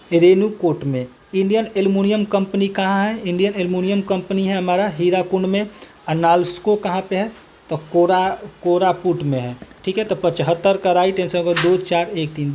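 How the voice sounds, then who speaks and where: A coaching teacher solves a multiple-choice test aloud, repeating each question before announcing the answer and its option in one unchanging formula. The voice is medium-pitched and a little mellow, with a faint hum of background noise.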